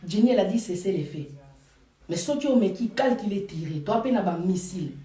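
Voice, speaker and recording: A woman's voice: mid-range voice, lively intonation, brisk, warm tone, roomy sound, recorded from a distance. A woman live-streaming to her followers in Paris, talking casually and emphatically, repeating her points for force. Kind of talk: casual live chat, mixing French and Lingala.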